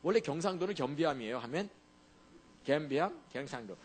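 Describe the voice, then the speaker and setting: A man's voice: fairly high pitch, lively intonation, a little slow. A male pastor preaching a sermon in a conversational way, often asking the congregation to agree with him.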